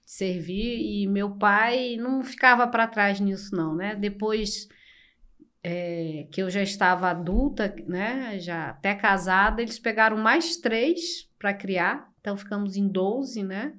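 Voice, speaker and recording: An older woman from Brazil, a podcast guest telling her life story slowly and reflectively, with many pauses. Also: medium pitch, fairly bright tone. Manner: slow, reflective, with frequent pauses and fillers. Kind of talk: personal storytelling in an interview.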